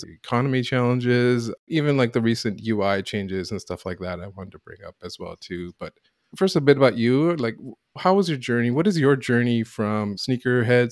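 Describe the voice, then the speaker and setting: A man's voice: mid-range voice, no echo, studio quality. A man hosting a podcast, introducing his guest and asking loose, rambling questions. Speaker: podcast host.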